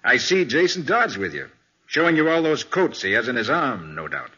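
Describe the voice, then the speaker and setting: An actor playing a shrewd, unflappable American private detective in 1940s radio crime drama, questioning briskly. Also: male voice, medium pitch, big pitch swings, bright, forceful tone, breathy edge, heavily acted. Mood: coolly wry. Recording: dull vintage 1940s radio recording.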